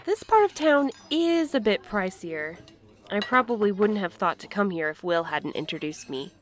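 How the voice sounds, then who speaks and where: A woman playing an earnest, conciliatory but determined friend in a naturalistic audio drama, speaking gently and with care. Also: medium pitch, big pitch swings, moderate pace, natural voice. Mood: friendly, tentative.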